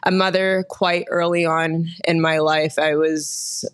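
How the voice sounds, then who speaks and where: A woman's voice: low voice, little pitch movement, slow, clean tone. A woman in her thirties from Texas, a guest telling her story candidly in a casual podcast interview, often laughing as she talks. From Austin, Texas, USA. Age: 30s. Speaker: guest, nurse injector.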